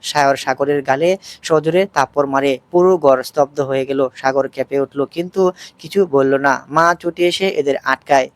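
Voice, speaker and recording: A man's voice: mid-range voice, moderate pace, dry recording. Man reading a family drama. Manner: steady narration with occasional slips. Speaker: storyteller. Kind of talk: reading a dramatic story aloud.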